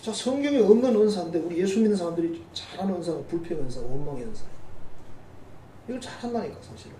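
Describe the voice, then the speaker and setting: High, lively pastor in a roomy church. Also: male voice, fast, a little hiss or hum. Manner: conversational, teasing asides to the congregation. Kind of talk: sermon. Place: church sanctuary. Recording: roomy church sound from a distant mic.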